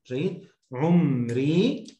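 An Egyptian Arabic teacher in his thirties gives a beginner lesson to one student over a video call from a small indoor room. His low, warm, animated voice echoes in the roomy call sound as he enunciates each phrase carefully, prompting and repeating.

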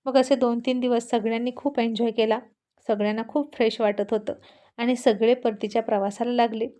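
A woman reads a serialized family story aloud in an expressive, lively way. Her voice is fairly high yet warm and mellow. She carries the story along with clear, expressive storytelling. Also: brisk.

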